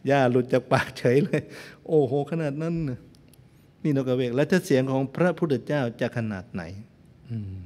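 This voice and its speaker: Monk guy giving a sermon, tells old stories, cracks jokes at the crowd, normal pitch, big hall echo. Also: a little mellow. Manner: playful, joking asides to listeners. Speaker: Buddhist monk. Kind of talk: sermon with storytelling. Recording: long hall reverb.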